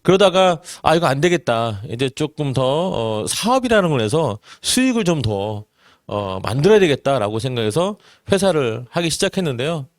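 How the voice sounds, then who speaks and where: A man in his forties giving an earnest seminar talk, asking the audience rhetorical questions and filling pauses with hesitations. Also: fairly high pitch, very animated, no echo, clean studio sound. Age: 40s. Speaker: network marketing business presenter.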